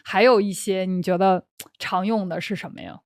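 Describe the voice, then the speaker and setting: A woman's voice: medium pitch, fairly even intonation, normal speed, no room sound, studio quality. A young woman with a Beijing accent, hosting and explaining words to learners in casual chat, often laughing. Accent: Beijing Mandarin. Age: young adult. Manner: chatty, breaks into laughter, restarts phrases. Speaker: Chinese teacher and host.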